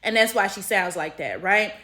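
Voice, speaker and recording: A woman's voice: mid-range voice, lively intonation, moderate pace, pushed and bright. An American woman hosting a casual commentary, explaining points step by step and checking in with viewers as she goes. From United States. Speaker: commentary host.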